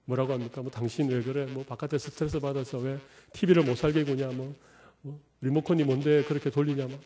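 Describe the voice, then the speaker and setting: A man's voice: fairly high pitch, warm tone. Humorous, conversational middle-aged male pastor. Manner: humorous, conversational preaching with acted-out quotes. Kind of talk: sermon.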